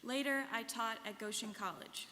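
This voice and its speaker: A woman's voice: fairly high pitch, normal speed, sharp tone. A young woman performing an earnest, rehearsed first-person reading as a student on stage. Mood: earnest recollection. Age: young adult. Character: earnest young woman telling her life story. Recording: reverberant hall with faint noise.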